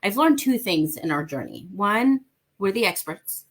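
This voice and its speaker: A woman's voice: medium pitch, sing-song, a little slow. A woman from Mexico, a parent of an autistic son, talking earnestly as a guest in a casual interview and repeating her key points for emphasis.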